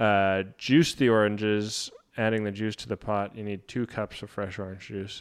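A man speaks at a moderate pace in a normal speaking voice, fairly low in pitch, against a quiet background. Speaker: podcast host. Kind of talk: casual chat.

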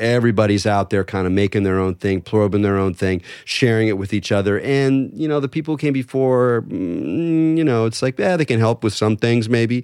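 A man with an unremarkable speaking voice, medium in pitch, talks with lively intonation and hardly any pauses in a very clean recording with a silent background. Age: 50s. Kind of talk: interview conversation. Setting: studio.

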